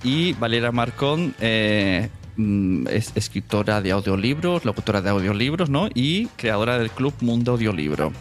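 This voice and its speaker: A man's voice: on the low side, very animated, normal speed. Informal male podcast host over faint music. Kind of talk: casual interview presenting.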